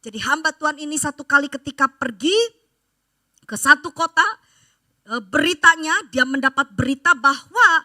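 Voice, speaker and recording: A woman pastor preaches to her congregation. Her voice sits high and rings very bright, telling stories with animation and pressing each point with emphasis. The sound is close and dry. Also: normal speed, no room sound. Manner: animated storytelling, emphatic exhortation. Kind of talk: sermon. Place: church service.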